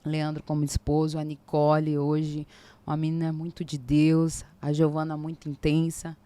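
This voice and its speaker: A Brazilian woman in her forties, a podcast guest, telling a faith testimony in lively casual talk and acting out the dialogue. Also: low-pitched, normal speed. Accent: Brazilian Portuguese. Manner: animated storyteller, acts out quoted dialogue.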